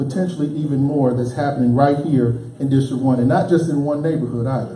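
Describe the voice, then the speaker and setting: A man speaks with an American accent. Audible room echo and noticeable background noise surround his voice. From Detroit. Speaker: city councilman. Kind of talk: meeting emcee. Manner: animated.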